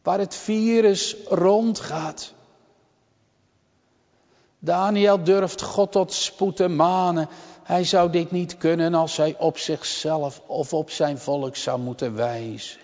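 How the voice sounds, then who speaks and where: A man delivers a sermon at an unhurried, solemn pace, pausing between phrases. His voice sits a little high and rings out with a long church reverb. The recording is dull and lo-fi. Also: darkish tone. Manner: slow, solemn, deliberate delivery with long pauses. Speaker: preacher.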